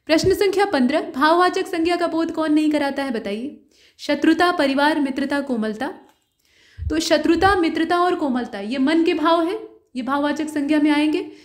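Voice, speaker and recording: A woman teacher going through mock exam questions one by one, explaining each answer to the viewer in a steady, direct way. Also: high-pitched, roomy sound.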